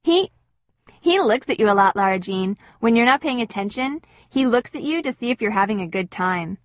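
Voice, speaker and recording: A woman voicing a bold, demanding young girl with a high, pert delivery. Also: expressive, moderate pace, dry recording, highs cut off, close to an everyday voice.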